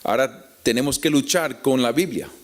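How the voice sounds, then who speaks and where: A man with a Puerto Rican Spanish accent teaching the Bible to an audience in a deliberate, explanatory way with rhetorical questions. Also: medium pitch. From Puerto Rico. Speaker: preacher teaching at a conference.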